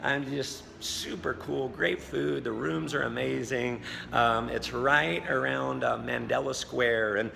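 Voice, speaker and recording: A hoarse American man with a gravelly, strained voice and a bright, forceful edge. He talks in an upbeat, casual way, with many fillers. His voice carries a long reverb from a hotel lobby, with faint noise underneath. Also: mid-range voice, fairly even intonation, slow, few pauses. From United States. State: hoarse, has lost his voice. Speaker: host and network marketing coach. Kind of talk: casual video blog interview.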